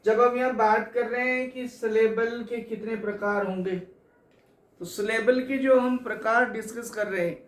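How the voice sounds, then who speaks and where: A man teaching English literature for exams, explaining slowly and repeating key points to his students. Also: extremely high pitch, fairly even intonation. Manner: slow, repetitive explaining, addresses students as kids. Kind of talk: exam coaching lecture. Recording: echoey room.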